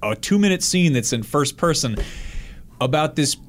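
A man's voice: a little high, lively intonation, normal speed, a little hiss or hum. An American man in a casual panel chat, riffing sardonically. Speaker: podcast panelist.

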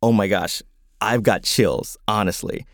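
A man's voice: lowish voice, unhurried, dry recording, studio quality. A man co-hosting a story podcast in a chatty, lightly scripted style. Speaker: podcast co-host.

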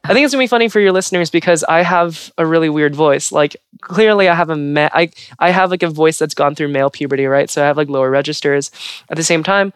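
A woman's voice: deep voice, fast, clear, resonant tone, no room sound, clean studio sound. A trans woman from California, a Foley artist, chatting casually on a podcast with a fairly androgynous voice. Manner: animated, androgynous voice.

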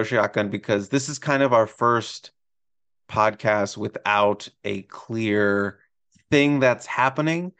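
A man's voice: mid-range voice, fairly bright tone. A man hosting a casual sports podcast, chatting and teasing his co-host in a playful way.

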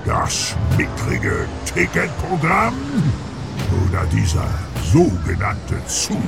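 An actor playing a giant, domineering slime monster king in a children's audio drama, gravelly, theatrical and drawn-out. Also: sits low, huge pitch swings, exaggerated voice. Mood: gloating menace. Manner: theatrical, drawn-out, gloating, prone to shouting. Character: giant pink slime villain, domineering, gloating chewing-gum monster king. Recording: loud music under the voice.

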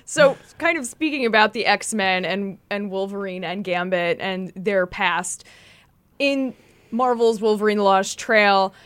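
A woman's voice: mid-range voice, unhurried, fairly bright tone, smooth. A woman hosting a casual interview, putting questions in a conversational, playful way. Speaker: interviewer, host.

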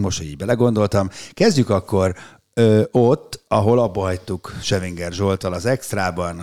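A man hosting a casual chat about handball, leading into topics in a relaxed, chatty way. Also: deep voice. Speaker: host.

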